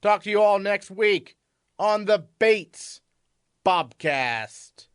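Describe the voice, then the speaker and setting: A man's voice: sits high, takes it slowly, smooth. A man hosting a podcast, asking casual questions with many fillers and then reading a sign-off. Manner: relaxed, friendly, filler-laden questions. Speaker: podcast host, interviewer. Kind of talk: casual interview and scripted sign-off.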